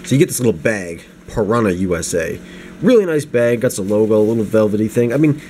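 A man's voice: fairly low pitch, animated, fast, dark tone. A young man getting over the flu, rambling casually through an unscripted knife review at his home desk, with restarts and self-deprecating asides. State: low energy, getting over the flu, sniffly. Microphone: camera mic, hands-only framing. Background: space heater hum.

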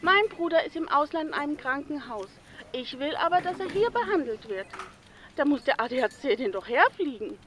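A woman's voice: high-pitched, lively intonation, a little fast, fairly bright tone, a little hiss or hum. An actress playing a stubborn woman calling the police emergency line to ask for a rescue helicopter. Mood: insistent. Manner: insistent. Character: self-assured woman caller misled by the internet. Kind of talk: radio drama acting.

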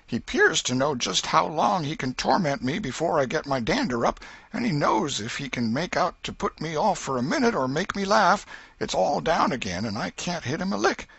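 A man voicing a gravelly, scolding old aunt. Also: fairly high pitch, big pitch swings, moderate pace, fairly bright tone, no room sound, lo-fi sound, voice pushed up, heavily acted. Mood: fretting. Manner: scolding, exclaiming, folksy dialect. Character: fussy, soft-hearted old aunt, scolding.

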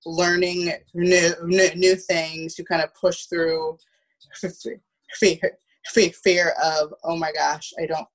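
Low-voiced woman, halting, casual. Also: rough recording. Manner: halting, repeats words. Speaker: theater producer and guest. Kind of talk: casual roundtable talk. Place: room at home, video call.

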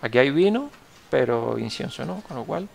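A man's voice: medium pitch, expressive, normal speed, creaky. A young man with a Canarian Spanish accent, giving casual gameplay commentary as he plays, rambling and correcting himself as he thinks aloud. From Canary Islands, Spain. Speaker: gameplay tutorial host.

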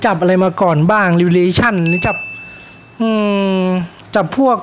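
Excitable high-voiced male game commentator. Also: unhurried, slight background noise. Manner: excitable, jokey, talks to himself, mock race-caller patter. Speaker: mobile racing game streamer. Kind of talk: playful gameplay commentary. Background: game music.

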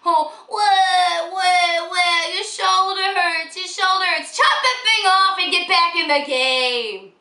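A woman playing a crude, furious female sports fan, heckling loudly and swearing. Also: extremely high pitch, slow pace, few pauses, full character voice. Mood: angry, jeering. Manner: heckling, foul-mouthed yelling. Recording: echoey room, distant mic.

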